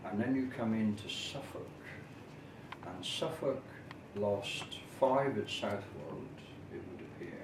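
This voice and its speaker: A man with a slightly low voice gives an explanatory local history talk at a very slow pace. His phrasing is formal and measured, with hesitant pauses as he works through details. The sound is very echoey, picked up in a room by a camera microphone. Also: recorded from a distance, background noise. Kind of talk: informal explanatory talk at an exhibition display.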